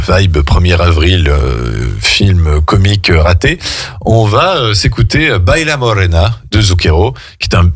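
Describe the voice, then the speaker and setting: A man's voice: low voice, breathy edge, no echo, studio quality. A man hosting a radio film show, chatting casually with many hesitations. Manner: relaxed, hesitant with many fillers.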